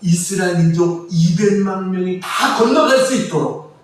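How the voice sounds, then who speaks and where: A man's voice: sits high, normal speed. A male pastor preaching a sermon, asking the congregation questions and leading them in reading scripture aloud together. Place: church sanctuary. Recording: distant echoey church hall with faint room noise.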